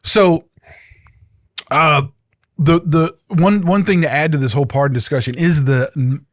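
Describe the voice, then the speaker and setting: A man co-hosting a podcast, speaking in a hesitant, measured way with frequent restarts in casual political chat. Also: on the high side, dry recording, studio quality. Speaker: podcast co-host.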